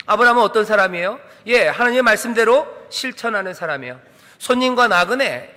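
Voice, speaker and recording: High bright-voiced pastor preaching. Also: male voice. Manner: asks the congregation questions and acts out biblical dialogue. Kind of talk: sermon. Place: church sanctuary. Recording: reverberant church hall.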